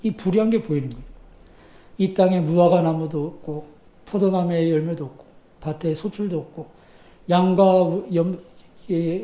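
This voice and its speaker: Brief: high-voiced male pastor, lively sermon full of rhetorical questions, echoey church. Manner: animated, conversational preaching with rhetorical questions. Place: church sanctuary.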